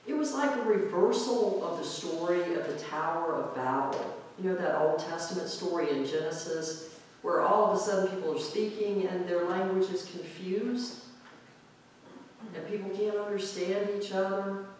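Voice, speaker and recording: A male pastor giving a reflective, conversational sermon in a church sanctuary, drawing out key words slowly for emphasis. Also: sits high, a little hiss or hum. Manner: reflective, conversational preaching with slow drawn-out emphasis. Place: church sanctuary with pipe organ, indoors. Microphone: far camera at back of sanctuary. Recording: very echoey church hall from far off.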